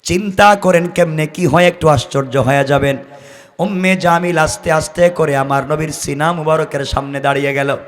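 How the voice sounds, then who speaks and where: A man's voice: fairly high pitch, moderate pace. A man preaching an Islamic sermon, telling stories dramatically and urging his listeners to pay attention. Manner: exclamatory, calls on listeners to respond and pay attention. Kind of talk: impassioned sermon with dramatic storytelling and melodic scripture recitation.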